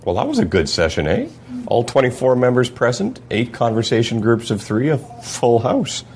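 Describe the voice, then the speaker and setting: A man's voice: mid-range voice, sing-song, normal speed, a little mellow, slight background noise, close to an everyday voice. A man in a scripted conversation, an upbeat, encouraging organizer of a conversation club. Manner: upbeat, encouraging, slightly folksy. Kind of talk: scripted conversation for a listening test.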